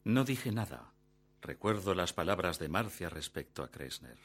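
A stoic ex-convict lover who tells his own story in a radio drama. The voice is low with lively, dramatic inflection, and the delivery is terse, guarded and defiant. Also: moderate pace, heavily acted. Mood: guarded defiance. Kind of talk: radio play narration and dialogue.

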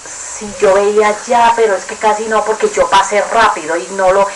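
A woman from Colombia with a Colombian accent, recounting a dream in a halting way, with many restarts and pauses to search for words. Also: medium pitch, steady tone, slight background noise, rough recording. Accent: Colombian Spanish. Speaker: interviewee giving a testimony.

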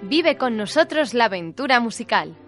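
A woman's voice: a little high, big pitch swings, moderate pace, a bit bright. A woman announcer delivering a scripted introduction to an audio programme. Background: music.

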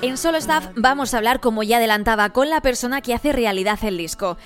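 A woman narrating a scripted radio report in a smooth, measured read. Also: a little high, lively intonation, faint music behind.

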